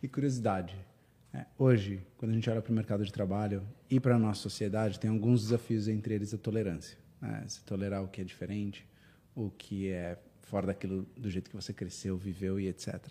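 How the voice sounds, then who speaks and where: A man's fairly low, dark, mellow voice at a fairly quick pace. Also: fairly even intonation. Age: 30s. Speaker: podcast host, recruitment executive. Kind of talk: podcast interview.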